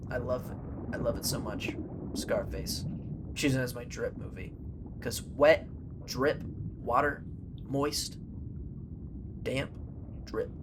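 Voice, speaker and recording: Male podcast co-host, loose and jokey, talking over audible background noise. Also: mid-range voice. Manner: playful, rambling, many fillers. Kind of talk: casual movie chat.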